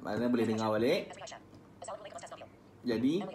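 A man with a Malaysian Malay accent teaching Quran recitation on a live stream. He chants verses slowly, then corrects pronunciation in quick, casual asides. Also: medium pitch, lively intonation, a little mellow, roomy sound. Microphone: phone live stream.

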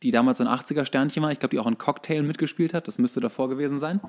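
A young man with plenty of fry in his voice chats as a podcast co-host. His pitch sits in an ordinary male range. He talks loosely, stopping and restarting to fix his own words. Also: racing. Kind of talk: casual banter between friends.

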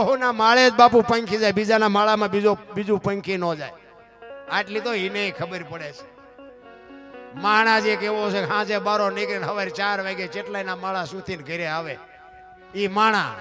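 A man telling folk wisdom to an audience, folksy and rhetorical, often calling out to his listeners. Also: high-pitched. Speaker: folk storyteller. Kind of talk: folk storytelling talk to an audience.

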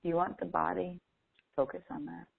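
A woman leading a guided meditation as a coach, speaking in a slow, deliberate, instructive manner with long pauses. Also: lowish voice, steady tone, creaky, husky, no echo. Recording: phone-like thin, band-limited audio.

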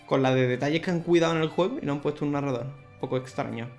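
A young man, chatting excitedly and laughing often as he plays through a video game. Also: fairly high pitch, fast talker. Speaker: gaming YouTuber. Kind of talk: let's play commentary. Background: faint game music.

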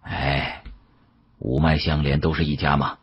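A man voicing a kindly, shrewd old male patriarch in an audiobook, husky and hushed, with a measured, avuncular manner. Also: rumbling low, level tone, dull audio, pitched below the performer's own voice, full character voice.

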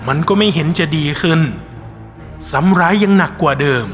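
A man with a high, bright voice narrates a horror story in a measured, somber way. His voice carries a long reverb, with soft music playing underneath.

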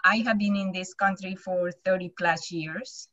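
Bright Colombian-accented woman, halting. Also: lowish voice, fairly even intonation, dry recording, dull audio. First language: Spanish. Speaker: participant in a group video call. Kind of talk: personal sharing in a group discussion. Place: small home office, indoors. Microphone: computer mic on a video call.

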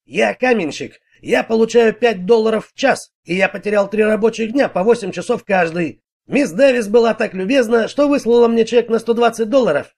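A man voicing an irritable middle-aged bricklayer who answers the police in a gruff, defensive way. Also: high voice, moderate pace, a little mellow. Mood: irritated.

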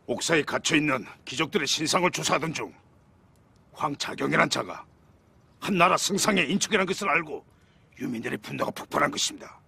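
An actor playing an urgent, aggrieved male follower in a historical war drama, with a husky, gravelly voice. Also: on the high side, brisk, pushed and bright, slight background noise, exaggerated voice. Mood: alarmed. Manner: urgent, pleading.

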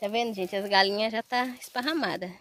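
A woman's voice: mid-range voice, fast talker, a bit bright. A woman vlogging outdoors on a farm, chatting away to her viewers as she films on a handheld phone. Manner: chatty, keeps addressing viewers directly. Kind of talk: casual farm vlog. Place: outdoor farmyard with animals.

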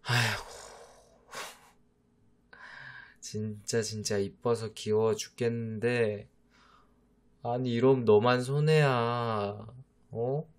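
A man's voice: mid-range voice, fairly even intonation, takes it slowly. A man playing a teasing boyfriend, whispered role-play. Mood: coaxing. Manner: teasing, coaxing, mock-exasperated. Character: teasing boyfriend of a younger, jealous girlfriend. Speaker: voice actor.

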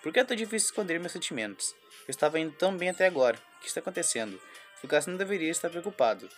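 A man reading a visual novel aloud, voicing a despairing young schoolgirl, halting and restarting words. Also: a little high, expressive, faint music behind, voice pushed up, natural voice. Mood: anxious. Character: despairing young schoolgirl, anxious and self-blaming.

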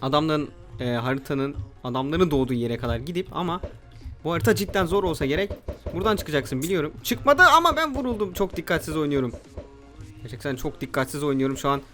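A young man hosting his gaming channel, giving excitable let's play commentary and shouting at opponents. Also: on the high side, fast, faint music behind.

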